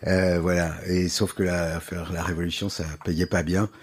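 A man's voice: deep voice, little pitch movement, moderate pace, breathy edge. A middle-aged man with a Parisian French accent, telling anecdotes wryly in a casual radio interview. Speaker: interview guest, advertising agency head.

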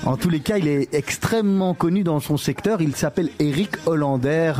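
A man's voice: on the high side, moderate pace, darkish tone. A man hosting a conversational radio interview show.

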